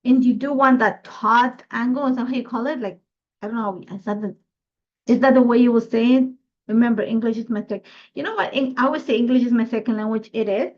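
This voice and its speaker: A woman's voice: a little high, a little fast, highs cut off. A middle-aged woman from Ecuador, chatty and thinking aloud as she hosts a live scrapbooking tutorial. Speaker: craft host.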